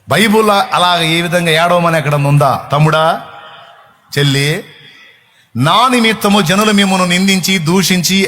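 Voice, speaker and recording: A male pastor delivering an impassioned sermon. His voice sits a little high. He keeps pressing his listeners with rhetorical questions. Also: a bit bright, slight background noise.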